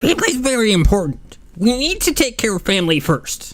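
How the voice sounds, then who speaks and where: A put-on character voice, fairly high in pitch, with very wide pitch swings. It moves at a fairly quick pace. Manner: put-on goblin voice, not the speaker's normal voice.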